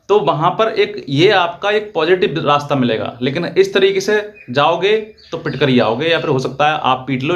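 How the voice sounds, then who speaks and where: A man's voice: fairly high pitch, highs cut off. Earnest man giving legal advice. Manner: earnest, repeats and rephrases points, addresses viewers directly. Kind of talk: direct-to-viewer advice talk.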